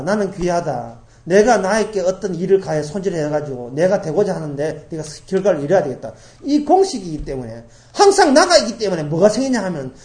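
A middle-aged woman from Daegu preaching a sermon as pastor, repeating key phrases and swinging from loud emphasis to hushed asides. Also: mid-range voice. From grew up in Daegu, South Korea.

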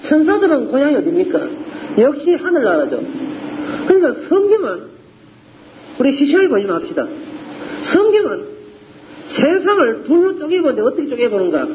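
A man with a Gyeongsang Korean accent preaches with a very high voice that leaps up and down. He keeps slipping into the voices of complaining elders, scoffers and soldiers. The recording is a little dull, with faint ambience behind him. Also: wildly swooping pitch, moderate pace, long pauses, a little hiss or hum. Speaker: pastor. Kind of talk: sermon.

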